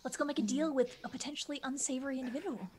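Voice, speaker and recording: A woman's voice: sits high, steady tone, racing, a little mellow. A woman playing a character in a tabletop game, chatty and casual with frequent giggles. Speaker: player.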